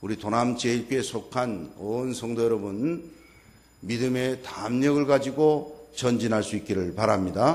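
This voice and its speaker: A soft-spoken man of medium pitch at a fairly slow pace, with audible room echo and noticeable background noise. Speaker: pastor. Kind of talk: sermon. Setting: church. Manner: soft, calm.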